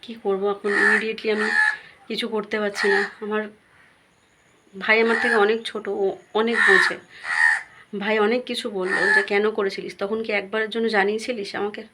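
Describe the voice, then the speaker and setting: A woman's voice: medium pitch, little pitch movement, normal speed, long pauses. A woman vlogging confessionally to her viewers, aggrieved and going back over the same points. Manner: aggrieved, repetitive. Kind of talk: confessional vlog talk to viewers. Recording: very noisy room recording.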